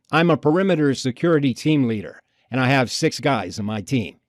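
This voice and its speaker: A man with an ordinary speaking voice, fairly high in pitch with ordinary pitch variation, speaks at a moderate pace in a very clean recording with a silent background and a dry, close sound with no echo. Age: 60s. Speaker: pitchman for a diet program. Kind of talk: sales pitch.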